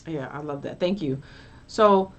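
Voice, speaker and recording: A woman's voice: deep voice, unhurried. A woman hosting a radio interview, affirming and encouraging her guest. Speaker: radio show host.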